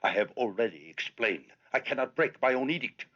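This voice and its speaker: An actor voicing a proud, confident king in an animated Bible drama, speaking in a regal manner. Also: mid-range voice, brisk. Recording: dull lo-fi sound.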